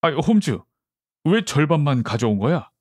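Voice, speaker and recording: A man voicing a detective's hesitant, questioning male companion with a husky voice, in audiobook dialogue. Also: a little high, very animated, normal speed, pitched above the performer's own voice. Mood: hesitant, puzzled.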